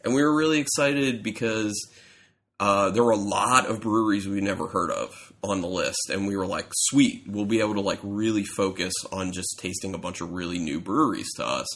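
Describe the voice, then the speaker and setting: A man's voice: on the low side, a little fast, fairly bright tone. A man co-hosting a podcast in casual chat, his voice congested and stuffy from a cold, rambling and correcting himself as he goes. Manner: rambling, self-correcting storyteller. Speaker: podcast co-host.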